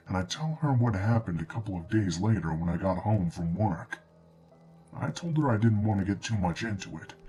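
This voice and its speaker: A man reading a scripted first-person horror story in a measured, understated way, as a narrator. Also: deep voice, mellow. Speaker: narrator of true scary stories. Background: background music.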